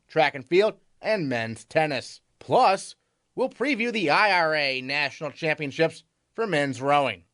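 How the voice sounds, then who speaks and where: A man hosting a podcast, asking casual questions with many fillers and then reading a sign-off. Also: fairly high pitch. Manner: relaxed, friendly, filler-laden questions. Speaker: podcast host, interviewer. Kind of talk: casual interview and scripted sign-off.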